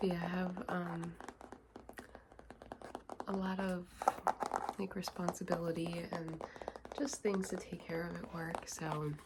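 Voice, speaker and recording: Soft-spoken speech at a fairly slow pace, full of long, frequent pauses, amid noticeable background noise. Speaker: ASMR content creator. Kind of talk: ASMR rambling to camera while tapping books.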